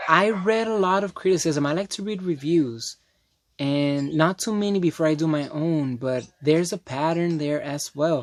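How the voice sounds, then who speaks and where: Against a quiet background, a man with a Spanish accent talks at a moderate pace, his fairly high pitch showing ordinary variation. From Mexico. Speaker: movie reviewer. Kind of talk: casual video review. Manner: halting, many fillers and restarts.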